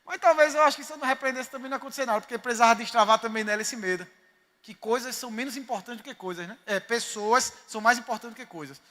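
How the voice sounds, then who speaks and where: Male pastor, Northeastern Brazilian accent, very high bright voice, emphatic storytelling sermon, long hall reverb. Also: rapid-fire. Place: church sanctuary.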